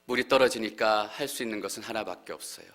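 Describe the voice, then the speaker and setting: A male pastor giving an earnest sermon, growing louder and more fervent as he voices heartfelt prayers. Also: on the low side, fast. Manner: earnest preaching, swelling louder when voicing prayers.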